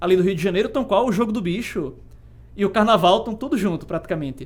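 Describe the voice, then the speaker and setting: A man with a high-pitched voice. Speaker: writer and illustrator, psychologist. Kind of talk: interview conversation. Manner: fast; animated.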